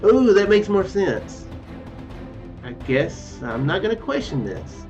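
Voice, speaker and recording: A man's voice: high voice, very animated, slow, darkish tone, pitched above the performer's own voice, exaggerated voice. A man reading aloud the visual novel lines of a bewildered, eager newcomer hero, hesitant and questioning. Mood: accepting. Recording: dull lo-fi mic with faint music.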